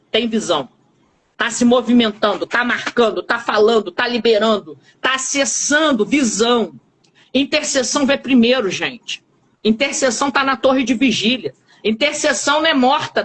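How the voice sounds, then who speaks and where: A woman's voice: fairly high pitch, a bit bright. A woman giving a fervent church testimony with a Brazilian Portuguese accent, repeating key words for emphasis. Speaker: testifying minister.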